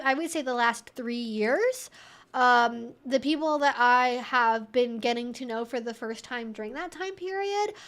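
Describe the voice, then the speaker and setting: Hosting a casual advice livestream, a woman with a high, slightly bright voice answers questions in a rambling, conversational way, sprinkling in "like" and "you know."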